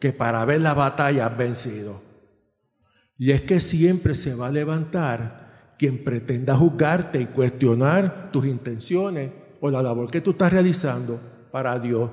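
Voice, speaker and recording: Fairly slow and fairly high-pitched for a man, his is a plain, everyday voice with ordinary pitch variation. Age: 60s. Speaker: lay preacher. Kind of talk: sermon.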